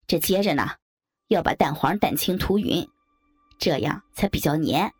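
A woman playing a sly best man who leers and smirks, talking in a lowered, husky voice. He explains things with relish and mock reassurance. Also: animated, moderate pace. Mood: explaining. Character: leering male best man, jovial and sly.

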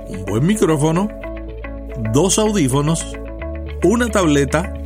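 A man with a Puerto Rican accent hosting a podcast, reading a scripted intro and interviewing guests in a measured, announcer-like way. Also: on the high side. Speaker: podcast host.

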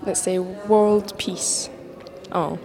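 A woman's voice: mid-range voice, steady tone, extremely slow, a little mellow. A young woman from Syria co-hosting a student podcast, chatting casually and searching for words with many fillers. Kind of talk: casual chat while exploring.

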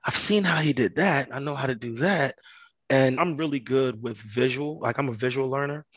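A man's voice: mid-range voice, moderate pace, a bit bright, no echo, muffled recording. A man from Ghana talking as a podcast guest, telling his story in an earnest, conversational way and repeating phrases for emphasis. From Ghana, West Africa. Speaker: podcast guest, construction business owner.

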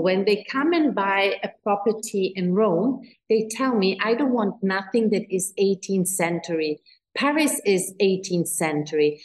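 A woman's voice: mid-range voice, a little mellow, echoey room, poor audio. An Italian woman whose first language is German, speaking English with a German accent as a real estate agent giving an enthusiastic interview, with fillers and restarts. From Italy. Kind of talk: interview guest.

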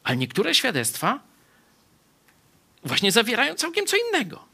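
A man's voice: very high voice, normal speed, creaky. A male pastor giving a conversational sermon, often tagging his sentences with a questioning "nie?". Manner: conversational, frequent tag "nie?"; lively, swings between soft asides and raised emphasis. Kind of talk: sermon Bible study.

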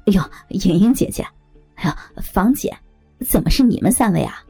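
A woman's voice: mid-range voice, expressive, normal speed, vocal fry, warm tone, slightly rough, faint music behind. A woman voicing a thuggish male security chief in his thirties, swaggering and crude. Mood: fawning. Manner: swaggering, switches to fawning.

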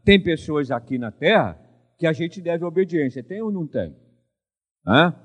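Lively older pastor preaching. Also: male voice, fairly high pitch, normal speed. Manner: animated preaching with frequent call-and-response questions to the congregation. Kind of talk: sermon.

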